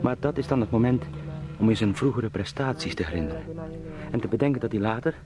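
An actor in a radio drama playing an anxious travelling salesman turned beetle, pleading and eager to please in halting, formally polite speech. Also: fairly low pitch, animated, over music, natural voice. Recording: clearly noisy radio play sound.

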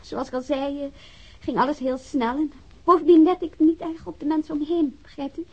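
A guarded female witness in a radio play, with a high voice. She is hesitant, evasive and coolly polite, on a slightly muffled lo-fi recording. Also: steady tone, brisk. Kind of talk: radio drama acting. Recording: dull lo-fi radio drama recording.

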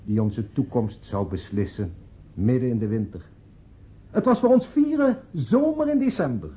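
An actor playing a sentimental man who speaks in a declamatory, measured way in a radio play. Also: mid-range voice, sing-song, lightly acted. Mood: solemn, nostalgic. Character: man giving a solemn, sentimental graveside eulogy for a friend. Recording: dull, noisy old radio play recording.

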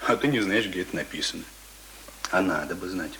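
An actor playing a talkative, pompous middle-aged print worker in a Russian radio play, boasting in folksy colloquial speech. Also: male voice, low-pitched, brisk, pushed and bright, slight background noise, rough recording. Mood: smug lecturing. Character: talkative middle-aged male print worker, self-important former drinker. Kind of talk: Russian radio drama acting.

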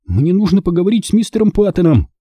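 A male reader voicing a small, frightened boy who pleads and shouts for help. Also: high voice, wildly swooping pitch, normal speed, slightly rough, no echo, studio quality, voice pushed up, heavily acted. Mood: desperate.

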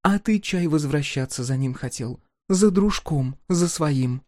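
A man voicing a sharp-tongued young peasant woman in an audiobook, with a bossy, teasing manner. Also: fairly high pitch, lively intonation, measured pace, dry recording, studio quality, voice pushed up. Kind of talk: audiobook character voice.

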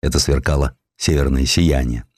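A man narrating a historical literary sketch as an audiobook, with an expressive, theatrical delivery. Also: a bass voice, normal speed, husky, no room sound, clean studio sound.

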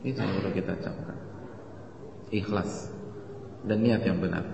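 A man's voice: low-pitched, moderate pace, vocal fry, muffled recording. A man preaches to a gathered audience, his voice carrying through a large, reverberant hall with faint ambient noise behind. He speaks in a conversational way and keeps putting questions to his listeners. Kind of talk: sermon.

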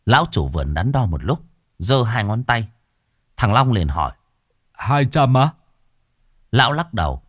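A man narrating a story in an expressive, animated way. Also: lowish voice, normal speed, husky, dry recording, studio quality.

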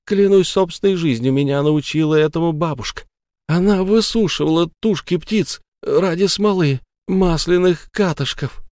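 A man putting on a shrill, pleading young woman. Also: lively intonation, normal speed, hardly any pauses, darkish tone, dry recording, clean studio sound. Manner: high, shrill, sobbing pleas.

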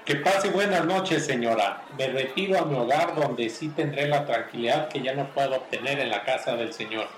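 A man playing a courteous, upright gentleman in an amateur radio drama, stiffly formal and politely indignant. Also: medium pitch, moderate pace, hardly any pauses, a little hiss or hum, close to an everyday voice. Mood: prim indignant. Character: prim, courteous male gentleman of justice. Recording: roomy echo.

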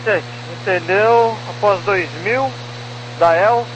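A man's voice: high voice, slow pace, highs cut off. Brazilian male pilot on crackly aircraft radio. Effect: crackly aircraft radio transmission. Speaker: airline and light aircraft pilot. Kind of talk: aviation radio readback. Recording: very noisy crackly VHF radio, humming.

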